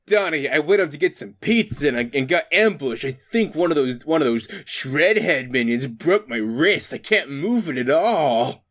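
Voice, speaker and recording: A man's voice: a little high, expressive, normal speed, few pauses, a bit bright. A man voicing a goofy young male turtle who pleads and whines in a comedic fanfic reading. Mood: pleading.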